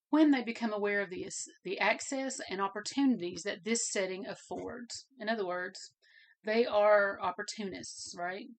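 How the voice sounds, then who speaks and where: A woman hosts a podcast on her own, and her voice is hoarse and fading. She speaks earnestly and circles back to repeat her main points. A cough or a cleared throat breaks in from time to time. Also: mid-range voice. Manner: earnest, repeats phrases for emphasis. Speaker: podcast host. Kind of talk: solo podcast commentary.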